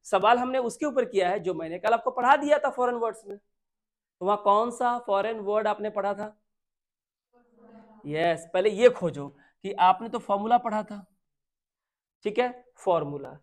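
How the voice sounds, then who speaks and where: An expressive man with an Indian accent and a voice that sits high teaches grammar for exam preparation. He restates his points, puts questions to the students, and reads English sentences aloud at a slow, word-by-word pace.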